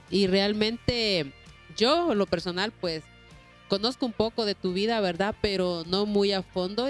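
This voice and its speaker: A woman's voice: mid-range voice, fairly bright tone. A woman hosting a Christian programme, speaking in a courteous, devout, repetitive way. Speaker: host of a Christian testimony programme. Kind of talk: warm religious interview talk.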